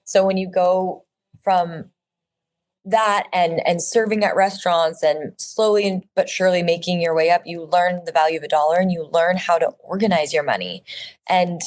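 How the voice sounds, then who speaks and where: Earnest, slightly low-voiced woman. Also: moderate pace, a little mellow. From Orange County, California. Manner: earnest and reflective, with frequent "like" and restarts. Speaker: actress, interview guest. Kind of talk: casual interview conversation.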